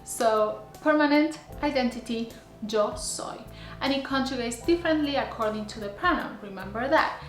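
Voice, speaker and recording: A woman, teaching to camera in a clear, deliberate way and slowing down to spell out example phrases. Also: fairly high pitch, echoey room, faint music behind. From Argentina. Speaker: Spanish teacher. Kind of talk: scripted language lesson to camera. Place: small indoor room before a plain grey wall. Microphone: camera framed head and shoulders.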